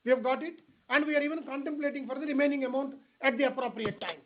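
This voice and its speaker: A man's voice: very high voice, fast talker. A man with an Indian accent answering investor questions as an executive, explaining emphatically and repeating phrases. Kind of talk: spontaneous earnings call answers. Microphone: conference call line. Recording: phone-like call audio with faint noise.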